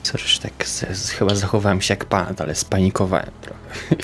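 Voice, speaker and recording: A man's voice: sits low, fairly even intonation, moderate pace, music in the background. A man speaking in character in a tabletop roleplaying game, hesitant and jumpy, slipping into whispers. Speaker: player.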